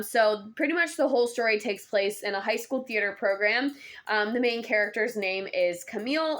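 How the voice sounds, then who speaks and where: A woman's voice: on the high side, pushed and bright. A young adult woman giving a casual book review vlog, chatty, with many ums and restarts.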